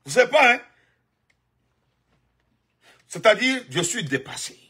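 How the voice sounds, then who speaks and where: A man's voice: very high voice, sing-song, unhurried, sharp tone, husky. A man doing rambling live political commentary. He talks emphatically, repeats himself, and breaks off to greet viewers by name. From Guinea. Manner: emphatic, repetitive, jumps between topics and greetings.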